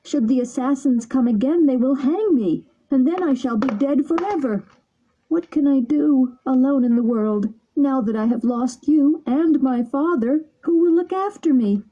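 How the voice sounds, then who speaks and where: A woman voicing a desperate, impulsive wooden boy puppet, pleading in a high tearful voice. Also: expressive, normal speed, dark tone. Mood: despairing. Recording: dull lo-fi recording.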